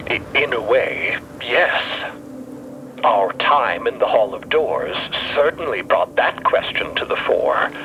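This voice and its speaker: An actor playing a troubled, brooding scholarly explorer in an artificial undead body, speaking haltingly and theatrically in an audio drama. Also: male voice, medium pitch, lively intonation, bright, forceful tone, lo-fi sound, a little hiss or hum. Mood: brooding, resigned.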